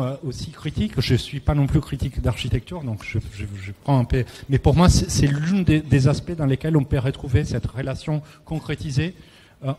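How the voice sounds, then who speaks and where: A man from Italy speaks at a round table with a clear Italian accent, as a native Italian speaker. His voice is soft-edged and warm, and he feels his way hesitantly from phrase to phrase. The hall rings around him with long reverb. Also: medium pitch. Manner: hesitant, searching for words. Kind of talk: semi-prepared talk on architecture and photography. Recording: echoey hall, clear background noise.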